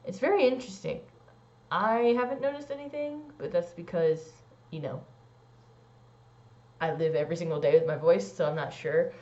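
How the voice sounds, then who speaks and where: A young trans man vlogging a casual personal update, rambling with lots of "like" and "um" and swooping into squeaky high bits. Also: moderate pace, a little mellow. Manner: rambling, many likes and ums. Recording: dull lo-fi sound.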